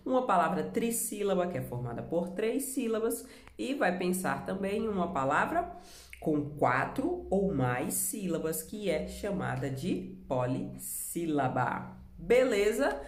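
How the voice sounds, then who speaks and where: A woman's voice: fairly low pitch, very animated, a little slow, reverberant, slight background noise. A Brazilian woman teaching a remote lesson for children, patient, explaining step by step and asking the class questions. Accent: Brazilian Portuguese.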